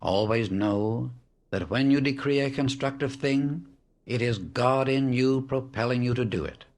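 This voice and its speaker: A man reading a spiritual audiobook as scripted narration, in a solemn, measured, declarative way. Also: medium pitch.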